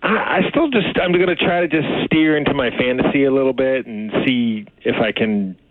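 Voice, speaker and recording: A man calling in by phone, talking in a hesitant, halting way with awkward pauses. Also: mid-range voice, background noise. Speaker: caller. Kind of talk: phone conversation with radio hosts. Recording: tinny phone line.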